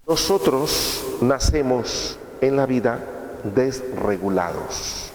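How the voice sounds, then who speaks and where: Lowish in pitch and darkish in tone, this man lectures for a course in a lecture room, keeping it conversational with rhetorical questions and check-ins with his audience. The echoey hall recording carries faint room noise.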